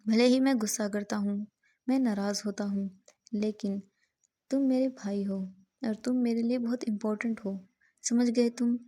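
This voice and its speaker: A hot-tempered but loving brother scolds gruffly, as a woman reads him out. The voice stays mellow and a little high, close to her plain storytelling. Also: steady tone, moderate pace, close to an everyday voice. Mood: scolding.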